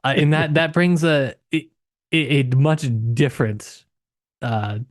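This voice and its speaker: A man's voice: a little high, measured pace, no room sound, studio quality. A man co-hosting a podcast, talking casually about a book and thinking aloud in an informal way. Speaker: podcast co-host.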